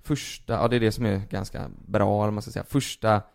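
A man's voice: lowish voice, creaky. A man chatting casually as a podcast co-host, swearing a lot as he vents and tells his story with animation. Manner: profane, venting, animated storytelling. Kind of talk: casual chat.

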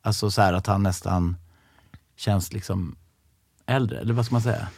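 A man's voice: lowish voice, darkish tone, breathy edge, dry recording, clean studio sound. A man co-hosting a podcast in casual chat, reacting often and stammering when amazed. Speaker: podcast co-host.

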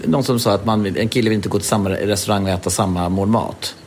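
A man's voice: lowish voice, steady tone, a little mellow, a little hiss or hum. A man co-hosting a relationship podcast in casual chat, rambling and swearing as he acts out little scenes. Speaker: podcast co-host.

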